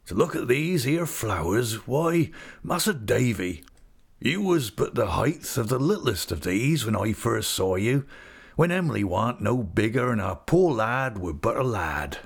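A man's voice: medium pitch, sing-song, gravelly, husky, exaggerated voice. Man voicing a hearty old rustic seafarer. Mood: tender, joyful. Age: older. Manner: rustic dialect speech, slow and affectionate. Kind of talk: audiobook character voice.

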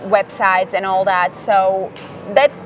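A woman's voice: mid-range voice, steady tone, slow pace, faint music behind, low-quality recording. A young woman from Slovakia with a Slovak accent, a non-native speaker chatting as an interview guest, who sometimes searches for words. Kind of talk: casual interview chat. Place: hotel lounge with music playing.

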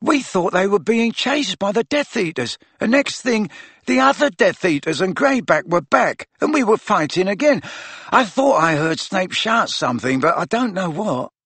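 A man's voice: very animated, normal speed, a bit bright, slightly rough, no room sound, exaggerated voice. A man voicing a shaken witch fighter who recounts a battle in clipped, urgent phrases with a hollow tone. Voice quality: low, hollow.

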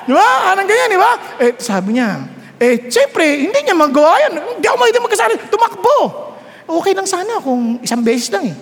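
A woman preacher giving a sermon, animated and humorous, mixing English phrases into her talk. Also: very high-pitched, normal speed, big-room sound.

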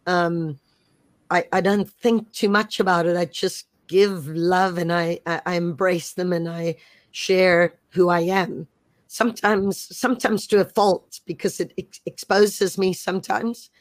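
Low-voiced thoughtful woman from Zimbabwe. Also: fairly even intonation, a little slow, dry recording. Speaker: sports coach. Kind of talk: reflective interview conversation.

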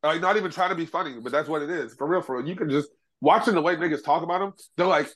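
A man's voice: a little high, fast, a bit bright. A man with an African American accent in casual, slangy and profane sports banter, speaking emphatically as a podcast co-host.

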